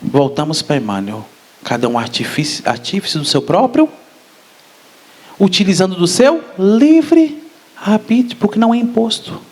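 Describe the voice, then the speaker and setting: Animated high-pitched man lecturing. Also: normal speed. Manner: asks the audience questions, animated. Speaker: spiritist lecturer. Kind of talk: public lecture.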